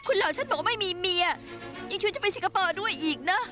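A woman's voice: very high-pitched, animated, quick pace, music in the background. A woman dubbing a Thai TV drama, playing a headstrong young woman who argues with her mother and her lover. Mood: indignant. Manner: sweet then sharp, headstrong.

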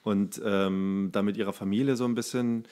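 A man's voice: on the low side, normal speed. Man in casual, slangy podcast chat. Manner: slangy, animated storytelling with acted-out quotes. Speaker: podcast co-host.

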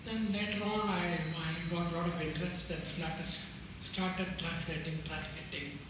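A man's voice: on the high side, fairly even intonation, distant mic, noisy background. Elderly Indian man in an echoey room. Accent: Indian English. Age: older. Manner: unhurried, repeats and restarts phrases while recalling. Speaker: award-winning interviewee. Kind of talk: reflective interview answers. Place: bright room in front of a banner, seated.

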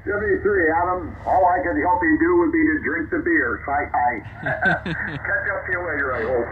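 A man's voice: a little high, normal speed. Man over very noisy tinny radio. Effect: radio transmission. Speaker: amateur radio operator. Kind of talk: casual ham radio contact.

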